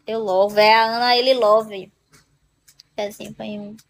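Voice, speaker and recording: A woman's voice: mid-range voice, little pitch movement, a little slow. A young woman hosting a casual live stream, chatting playfully with viewers and laughing often. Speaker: livestream host.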